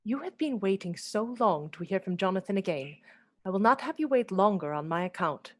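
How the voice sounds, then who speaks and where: A woman's voice: medium pitch, expressive, fairly quick, close to an everyday voice. A woman playing an ailing, tender young bride-to-be in a live radio play, dreamy and fragile in manner. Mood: tender, earnest.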